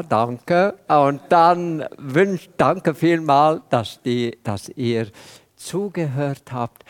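Slow, halting older man preaching. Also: mid-range voice. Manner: slow, halting, repeats words, emotional. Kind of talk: sermon testimony.

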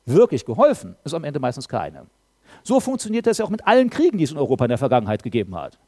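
Lively, animated German-speaking preacher man. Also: medium pitch, very fast. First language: German speaker married to a Frenchwoman. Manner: lively, emphatic preaching with rhetorical questions. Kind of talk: sermon.

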